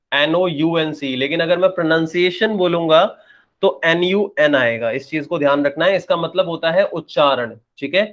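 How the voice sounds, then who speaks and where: On a lo-fi recording, a young man from India with a slightly high voice teaches English grammar. His lesson feels like a classroom, full of explanations and checks, with points repeated and his own questions answered.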